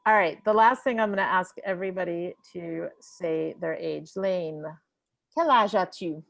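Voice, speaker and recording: Slow-speaking woman French teacher. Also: lowish voice, vocal fry. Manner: switches between French and English, encouraging. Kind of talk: online class teaching. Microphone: video call.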